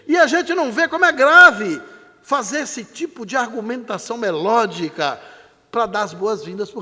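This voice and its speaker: An older man with a Brazilian accent lectures a live audience, speaking with a notably high pitch. His delivery is animated and dramatic, like a practiced storyteller. His voice carries a long reverb through a large theater hall.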